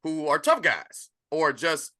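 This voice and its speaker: Bright, higher-voiced male podcast host. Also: very animated, slow. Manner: loose, rambling questions. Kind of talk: casual interview chat.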